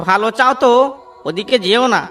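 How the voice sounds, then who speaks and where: A man's voice: sits high, normal speed, pushed and bright, recorded from a distance, soft background music. A man voicing a panicked young woodsman in a cartoon. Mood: frantic.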